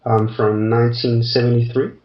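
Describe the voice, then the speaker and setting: A Danish man in his forties, a guest dancer who answers interview questions slowly and hesitantly, with many restarts. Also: mid-range voice, level tone. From Denmark. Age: 40s. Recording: roomy, distant, dull lo-fi sound.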